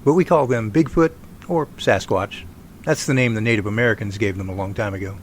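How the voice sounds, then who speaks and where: A man's voice: on the low side, fairly quick, close to an everyday voice. A man playing an easygoing Bigfoot researcher, noisy backdrop. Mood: earnest, easygoing. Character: easygoing young Bigfoot researcher from California, wry and earnest. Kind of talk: amateur radio drama dialogue.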